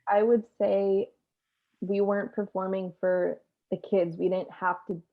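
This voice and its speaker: A woman's voice: medium pitch, little pitch movement, unhurried, narrow, tinny audio. A woman chatting casually as an interviewed performer, heard through thin call audio. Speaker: stage performer being interviewed. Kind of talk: casual chat.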